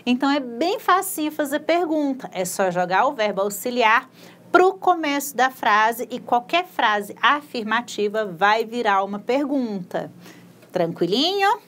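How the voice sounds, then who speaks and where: A Brazilian woman teaching English in a recorded video lesson, slowly spelling out English sentences word by word and explaining in a casual, encouraging way. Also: on the high side, very animated, fairly bright tone. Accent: Brazilian Portuguese.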